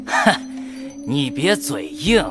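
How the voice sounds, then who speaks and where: A sneering, cruel court interrogator. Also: male voice, fairly high pitch, very animated, slow pace, music in the background. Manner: sneering, commanding. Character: arrogant cruel male court official, interrogator. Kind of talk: audio drama acting.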